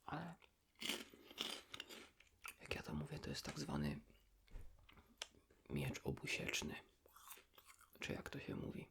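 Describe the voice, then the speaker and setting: A man whispers softly and intimately, in an unhurried ASMR chat as if to a friend. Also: extremely low pitch, wildly swooping pitch. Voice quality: soft breathy whisper. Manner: hushed, intimate, unhurried, addressing the listener as a friend. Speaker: ASMR creator, host.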